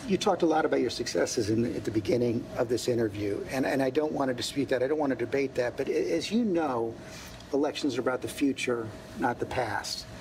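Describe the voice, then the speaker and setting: A man conducts a probing interview and keeps pressing his follow-up questions, often stumbling on the first word. His voice is gravelly with a mid-range pitch. The broadcast clip carries clear background noise. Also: brisk, darkish tone. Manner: persistent, stammering on the first word. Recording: noisy archive broadcast clip.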